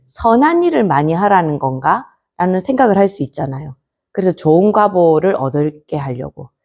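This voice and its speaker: A woman's voice: fairly low pitch, warm tone. A woman, a Buddhist nun, gives a temple lecture, telling a story and posing questions to her class.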